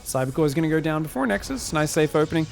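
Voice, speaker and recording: A man casting a strategy game on his own, excitable on big plays and analytical in replays, his voice phlegmy after being sick. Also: on the high side, rapid-fire, creaky, soft background music. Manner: excitable, shouts on big plays, then breaks down mistakes. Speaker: esports caster. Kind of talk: solo game commentary.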